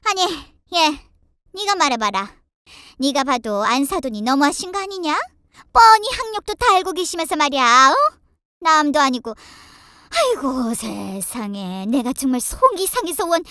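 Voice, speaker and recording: Woman doing naggy older mother-in-law, haughty n scolding, swoopy high voice, family drama story. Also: sing-song, bright, forceful tone, no echo, studio quality, full character voice. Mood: indignant, scolding. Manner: scolding, haughty, rapid complaints.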